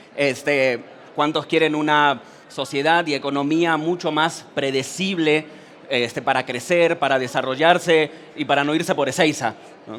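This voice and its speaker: A man with a fairly high voice, fairly even intonation and a fairly slow pace, over noticeable background noise. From Argentina. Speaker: researcher, speaker. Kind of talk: keynote talk. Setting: stage with audience.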